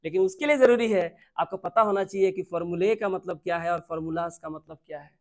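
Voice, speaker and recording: A man with an Indian accent teaching an exam-prep grammar lesson, repeating points and putting questions to his students, and reading English sentences out slowly word by word. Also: high-pitched, a little mellow.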